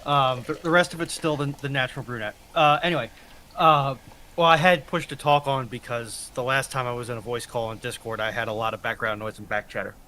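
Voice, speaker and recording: A man's voice: mid-range voice, fairly even intonation, fairly quick, bright, forceful tone. A man chatting casually as a panellist on a live stream over a voice call. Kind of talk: casual chat. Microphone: computer voice call. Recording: clearly noisy voice call.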